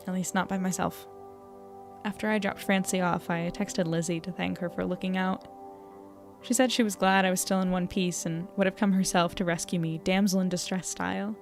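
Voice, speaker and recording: A woman plays a plucky young female editor in an audio drama. She is wry and self-deprecating, thinking out loud in a mid-pitched voice. Soft music sits underneath. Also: close to an everyday voice. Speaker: lead actor and narrator. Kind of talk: audio drama acting with first-person narration.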